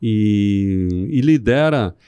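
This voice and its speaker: A middle-aged man from southern Brazil, a city councilman guest on a podcast, speaking in a measured, speechifying way with some restarts. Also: on the low side, animated, mellow, clear, resonant tone, no echo. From Rio Grande do Sul, Brazil. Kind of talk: podcast interview.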